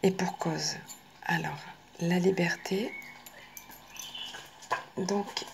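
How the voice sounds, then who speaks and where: A woman giving a live oracle card reading, speaking softly and often slipping into a whisper as she reads each card's message aloud. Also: on the low side, fairly even intonation, gravelly, slight background noise. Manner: slow, soft, often drops to a whisper.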